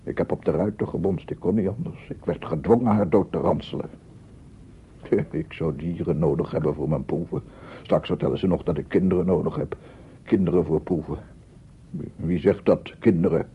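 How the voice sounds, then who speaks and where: An actor playing a paranoid, embittered amateur sound researcher in a theatrical radio drama monologue, muttering and proclaiming. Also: male voice, deep voice, normal speed, natural voice. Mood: paranoid, agitated. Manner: theatrical, muttering to himself, repeating words, swelling into proclamations. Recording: muffled narrow-band old radio recording, noisy.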